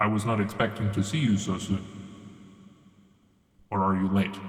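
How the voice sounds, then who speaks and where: In a put-on character voice, a man speaks at a moderate pace with a calm tone, and a clear echo surrounds the sound. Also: fairly low pitch for a man. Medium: actual play. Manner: calm, measured.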